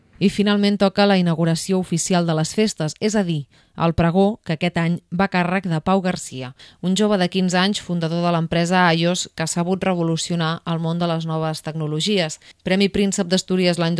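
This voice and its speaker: Recorded with a dry, close sound and no echo, a woman speaks at a moderate pace and a fairly low pitch in a monotone, flat intonation. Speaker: local TV reporter. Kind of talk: news narration.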